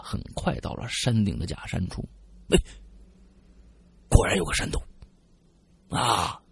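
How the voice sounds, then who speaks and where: A man telling a spooky story in an animated, dramatic way. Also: on the low side, slightly rough. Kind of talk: casual spoken ghost story.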